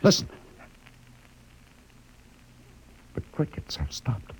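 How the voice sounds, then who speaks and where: An actor playing a fearful, suspicious expedition doctor in a 1950s radio drama. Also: male voice, normal speed, lightly acted. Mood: hushed, fearful. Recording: old radio recording, faint noise.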